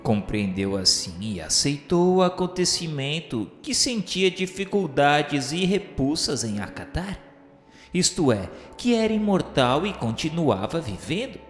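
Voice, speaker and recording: Slow, solemn Brazilian man narrating in reverb. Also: a little high. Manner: grandiloquent, formal declamation. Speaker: narrator of a spiritist radio novel. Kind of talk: solemn dramatic literary narration. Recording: echoey, long reverb, music underneath. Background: music.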